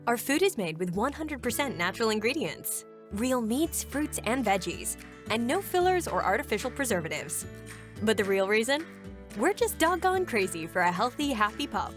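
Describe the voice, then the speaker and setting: A woman acts as an upbeat, friendly female announcer in a pet food commercial. The voice is fairly high and swings playfully in pitch, with a bouncy, polished sell over a music bed. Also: big pitch swings, moderate pace. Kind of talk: scripted pet food advert read.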